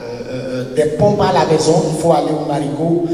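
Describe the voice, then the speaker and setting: Man lecturing in a second language, hesitant and restarting, fairly high voice, echoey hall, mic far off. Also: mellow. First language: a local language, not French. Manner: halting, searching for words with many restarts and fillers. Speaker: university professor and historian giving a lecture.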